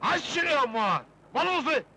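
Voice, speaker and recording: An actor playing a flustered, poor uncle with many children who keeps placating everyone, with an Egyptian accent. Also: male voice, very high voice, big pitch swings, very fast, pushed and bright, slight background noise, full character voice. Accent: Egyptian Arabic.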